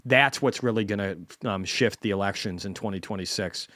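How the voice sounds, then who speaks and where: A man's voice: fairly low pitch, brisk, a bit bright, dry recording. A man hosting a market commentary stream, ranting bluntly and swearing heavily.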